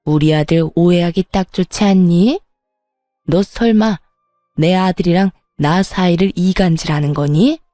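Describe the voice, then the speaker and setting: A sly, spiteful older mother-in-law who jeers and then turns on a show of innocence. A woman puts her on as she reads the story. The voice sits lower and mellow, recorded close and dry. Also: no echo, lightly acted. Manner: mocking, then falsely wailing.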